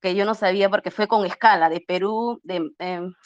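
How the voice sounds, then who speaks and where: A woman's voice: mid-range voice, fairly even intonation, moderate pace, dry recording. Earnest woman recounting a story. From Peru. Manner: earnest, acts out dialogue while retelling, frequent restarts. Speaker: interview guest. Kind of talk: casual storytelling. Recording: slightly muffled lo-fi audio.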